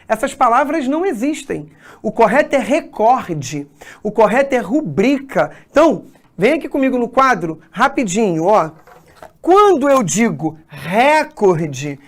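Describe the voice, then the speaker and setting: A woman teacher explaining grammar at a whiteboard, often checking in with her students. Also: fairly high pitch. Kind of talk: exam-prep grammar lesson.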